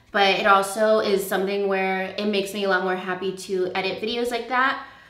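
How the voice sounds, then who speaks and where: With a medium pitch and monotone, flat intonation, a woman talks at a fairly quick pace amid noticeable background noise and audible room echo. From US, Connecticut. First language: Spanish. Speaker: beauty YouTuber. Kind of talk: casual chat. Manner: casual, filler-heavy.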